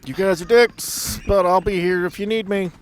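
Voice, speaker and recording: A man's voice: sits high, steady tone, normal speed, a little hiss or hum, voice pushed up, close to an everyday voice. A man voicing a cranky, sarcastic old helicopter pilot in a tabletop game. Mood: irritated, sarcastic. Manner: gruff, sarcastic, needling.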